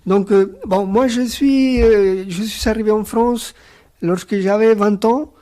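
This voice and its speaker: Slow, hesitant man, native Spanish speaker. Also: high-pitched, fairly even intonation, dark tone. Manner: hesitant, many pauses and fillers; reflective, philosophical. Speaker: guest author on a panel. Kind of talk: round-table discussion.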